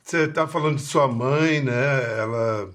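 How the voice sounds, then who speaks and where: A man interviewing an actress, asking gentle, probing questions. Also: medium pitch, a little slow.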